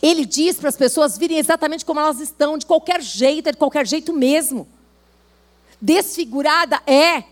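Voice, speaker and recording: A high-pitched woman with a Brazilian Portuguese accent delivers a sermon. She exhorts her listeners earnestly and slips into the voices of the people in her anecdotes. Her tone rises to urge them on. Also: brisk. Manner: earnest, exhorting, acts out quoted dialogue. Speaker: preacher.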